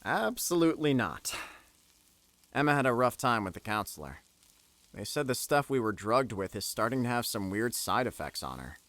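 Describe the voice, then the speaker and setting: A man's voice: mid-range voice, very animated, moderate pace, a bit bright, no echo. An actor playing an easygoing, cheeky teenage boy in an audio drama, talking casually and breezily. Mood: sheepish.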